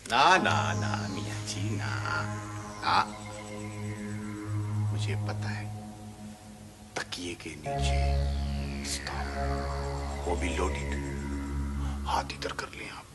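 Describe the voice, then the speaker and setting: An actor with a Pakistani accent playing a scheming, menacing man in a television drama, falsely respectful and softly taunting. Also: deep voice, lively intonation, takes it slowly, long pauses. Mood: threatening. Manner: softly taunting, falsely respectful, often dropping toward a whisper. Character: menacing, scheming man with mock-deferential politeness. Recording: old TV drama soundtrack with music.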